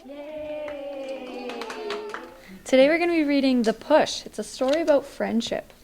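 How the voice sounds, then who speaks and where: A woman's voice: sits high, fast talker, a little mellow, slight background noise. A young woman reading a story aloud to children in a library. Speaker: volunteer storybook reader. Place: public library, indoors.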